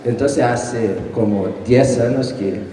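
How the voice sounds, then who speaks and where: A man in his forties, a native Portuguese speaker from Brazil, presenting his book at a live panel, halting and joking with frequent restarts and chuckles. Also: mid-range voice, mellow, a little hiss or hum. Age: 40s. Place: large hall with long reverb. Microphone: distant from the mic. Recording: echoey hall, far from mic.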